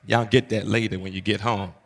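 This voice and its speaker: A man's voice: fairly low pitch, fairly even intonation, a little fast, creaky, in a large hall. A man preaching a teaching sermon as pastor, with emphatic repetition and call-and-response asides to the congregation. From Barbados.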